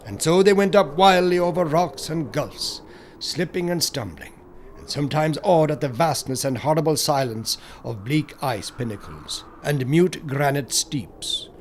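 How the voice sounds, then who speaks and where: Male horror audiobook narrator, fairly high pitch, solemn theatrical delivery, faint ambient noise behind. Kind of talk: scripted dramatic horror story narration.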